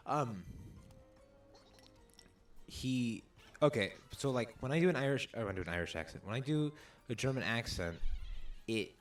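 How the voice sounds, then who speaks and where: A man's voice: medium pitch, lively intonation, moderate pace, pauses often, soft background music. Rambling man chatting over gameplay. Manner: rambling, stop-start, lots of fillers. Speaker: co-host of a gaming let's play. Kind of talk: casual chat while playing a video game.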